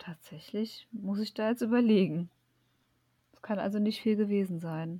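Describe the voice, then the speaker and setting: A woman speaks at a medium pitch and a moderate pace, her dark, mellow tone somewhat breathy. Her loudness swings widely, her pitch varies in an ordinary way, and long pauses come often. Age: 30s. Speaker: coaching client. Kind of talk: interview.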